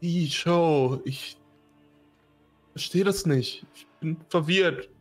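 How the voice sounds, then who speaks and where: A man's voice: fairly high pitch, takes it slowly, faint music behind, voice pushed down. A man voicing a suspicious, confused teenage boy who questions nervously. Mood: wary.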